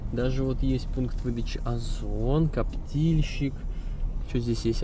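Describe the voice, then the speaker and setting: A man speaks at a very slow pace. The sound is dry with no echo, though noticeable background noise comes through. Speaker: vlogger. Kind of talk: casual vlog chat. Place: car. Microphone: phone near.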